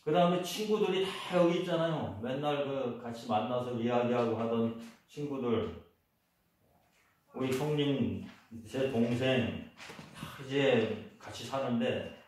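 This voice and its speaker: A man preaching a sermon in a church. He tells a personal story and leads the congregation in repeating lines after him. His voice sits at a middle pitch and comes from a little way off the mic, with a heavy echo filling the hall. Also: measured pace, a little mellow. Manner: storytelling, leading the congregation in repetition. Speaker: pastor. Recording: echoey church hall, voice from a distance.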